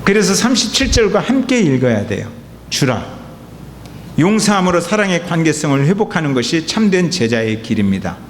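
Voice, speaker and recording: A male pastor preaching with lively, sweeping intonation in a slightly higher voice. His words ring with a long echo through a church sanctuary, over a faint low rumble. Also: moderate pace. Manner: animated preaching, reading scripture aloud, calling for amens. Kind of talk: sermon. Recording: reverberant hall with faint rumble.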